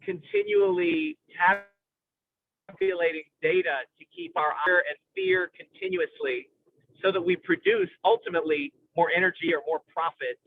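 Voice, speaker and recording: Tinny narrow-band audio, male speaker, fairly high pitch, bookish vocabulary, halting delivery, analytical film chat. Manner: intellectual, academic vocabulary. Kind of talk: analytical film discussion, conversational. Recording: tinny phone-like radio-style sound.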